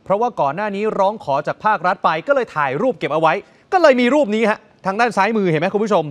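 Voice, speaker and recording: A male news presenter with a high-pitched, animated voice talks fast as he tells a crime story dramatically. He's emphatic and speaks directly to the viewers.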